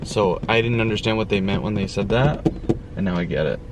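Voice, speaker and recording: A man chatting in a relaxed, easygoing way as co-host of a couple's vlog outdoors. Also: lowish voice, fairly quick. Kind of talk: casual chat. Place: outdoors near traffic and shuttles. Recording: outdoor street noise.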